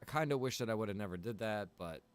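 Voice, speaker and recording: A man with a somewhat low-pitched voice talks casually as a game streamer. He rambles and thinks aloud, circling around his point in an informal way. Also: expressive, quick pace, clean tone, soft background music. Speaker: streamer and server developer. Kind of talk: casual gaming stream chat.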